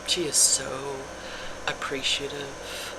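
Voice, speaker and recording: A woman tells gossip in a soft ASMR whisper, taking her time with each phrase. She is chatty and confiding, as if talking to friends. A loud, steady hiss and hum sits behind her voice. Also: rumbling low, takes it slowly. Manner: casual, chatty, addresses listeners as "you guys". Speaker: ASMR video creator.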